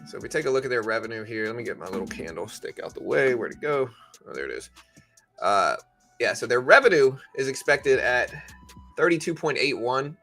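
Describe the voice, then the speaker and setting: A man with a bright, forceful voice at an average male pitch talks through the markets as a livestream host. His delivery is conversational and explanatory, as if answering a chat. Music plays faintly behind him. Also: lively intonation, fairly quick. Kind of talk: casual live stock market commentary, answering chat.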